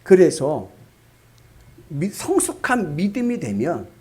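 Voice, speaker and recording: Animated male pastor, high-pitched, sermon delivery. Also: slow pace. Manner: animated, rhetorical questions to the congregation.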